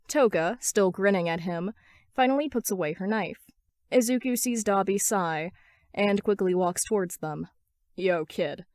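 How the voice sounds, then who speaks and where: A woman's voice: medium pitch, a little mellow, no room sound, clean studio sound. A woman reading scripted fan fiction as an amateur story narrator.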